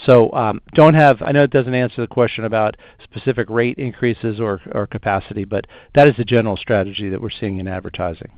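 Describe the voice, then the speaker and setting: A man answering analysts on an earnings call as a finance executive, in a halting, measured way. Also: fairly low pitch, steady tone, no echo. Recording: muffled conference call audio.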